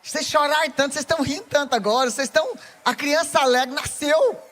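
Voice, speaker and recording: A high-pitched woman with a Brazilian Portuguese accent preaches at a fairly quick pace to a women's gathering. Lively and teasing, she plays with the audience and addresses them directly.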